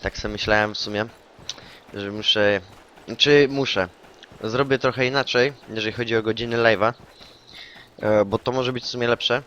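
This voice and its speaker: A man streaming a shooter game, chatting casually with a teammate, swearing and yelling taunts when he scores kills. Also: lowish voice, moderate pace, pauses often, muffled recording, a little hiss or hum. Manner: excitable, swears, yells taunts in English on kills. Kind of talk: casual gaming chat with a teammate.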